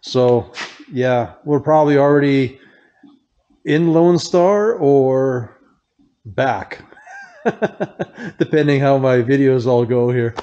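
A middle-aged man hosting a casual behind-the-scenes vlog, rambling in a relaxed way and often trailing off to restart, recorded on a lapel mic. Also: mid-range voice, slow, long pauses, highs cut off. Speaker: car builder and channel host.

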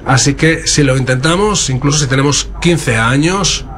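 A man with a Spain Spanish accent, interpreting a keynote simultaneously from a booth in a halting, stop-start way. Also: mid-range voice, fairly bright tone, a little hiss or hum.

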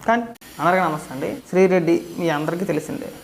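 A man's voice: high-pitched, very fast, gravelly, slight background noise. A man ranting straight at the camera as an online political commentator, lecturing and firing off rhetorical questions. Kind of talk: scolding direct-to-camera rant.

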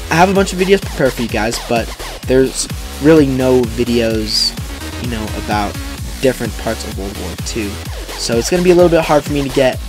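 Young male gaming host, mid-pitched, casual and excitable play-by-play, chatty with viewers, music underneath. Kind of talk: live gameplay commentary, casual. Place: indoors, voice-over on game footage.

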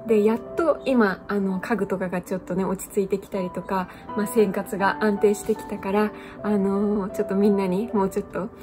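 A woman's voice: medium pitch, fairly even intonation, fairly quick, hardly any pauses, music in the background. Chatty young woman touring her room. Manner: chatty, mixes in English phrases, many fillers. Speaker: vlogger giving a room tour. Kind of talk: casual chat to camera. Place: small bedroom apartment indoors. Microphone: handheld camera close up.

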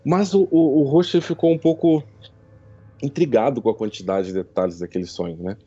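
Husky-voiced man narrating a tabletop game. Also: mid-range voice, steady tone, moderate pace, mellow. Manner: casual storytelling with frequent tag questions and laughs. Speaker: game master. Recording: dull lo-fi stream audio.

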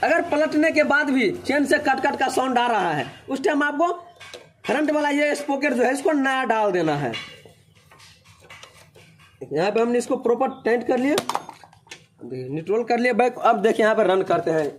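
Man, very high voice, step-by-step repair tutorial, faint workshop noise behind. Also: animated, normal speed, long pauses. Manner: step-by-step instructive, keeps pointing things out. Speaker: bike mechanic. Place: motorcycle workshop.

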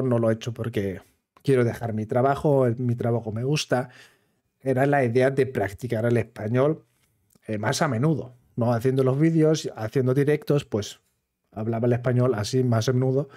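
A man from Switzerland with a Swiss accent, talking casually to camera as a gaming video creator, in careful, halting Spanish that is not his everyday language. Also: medium pitch, dark tone. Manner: careful, halting Spanish of a non-native speaker.

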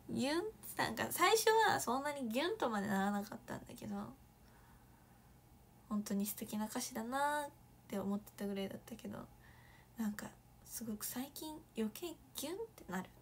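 A young woman chatting casually on a morning live stream, reading viewer comments, thanking viewers in a bubbly way and sometimes dropping to a soft whisper. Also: on the high side, expressive, a little fast, creaky, slight background noise.

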